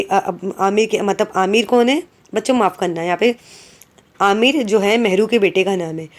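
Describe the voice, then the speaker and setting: A woman's voice: mid-range voice, darkish tone. A woman teacher explaining a school reading lesson to children, repeating herself and correcting her words as she goes.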